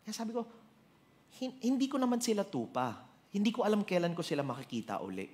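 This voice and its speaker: A man preaching a sermon with a Filipino accent, telling stories in an animated way and switching between Tagalog and English. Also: sits high, quick pace.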